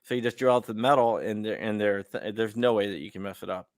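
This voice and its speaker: A man hosting a casual call-in interview, relaxed and halting, often stammering and restarting. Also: lowish voice, no room sound, clean studio sound. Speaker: host.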